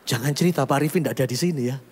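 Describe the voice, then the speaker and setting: A man's voice: mid-range voice, racing, husky. A middle-aged male pastor, telling stories animatedly in a sermon. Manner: animated storytelling, often calling the congregation "saudara". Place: church hall. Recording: long hall reverb.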